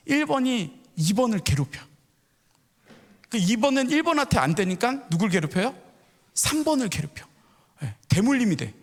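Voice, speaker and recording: A middle-aged male pastor giving a storytelling sermon that asks the congregation questions. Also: high voice. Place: church sanctuary. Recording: echoey church hall.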